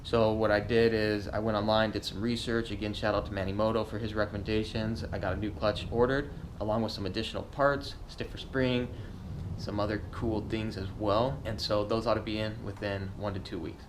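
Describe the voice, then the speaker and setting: A man chats to his viewers in a casual, slangy vlog style. His voice is on the low side, and there is faint background noise in the recording. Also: little pitch movement, a little fast. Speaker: motovlogger. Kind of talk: casual garage vlog update.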